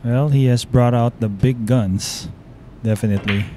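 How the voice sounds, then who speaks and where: A man with a Filipino accent giving relaxed, admiring play-by-play commentary on a pool match. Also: mid-range voice, a little slow. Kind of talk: live sports commentary. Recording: noisy live stream audio.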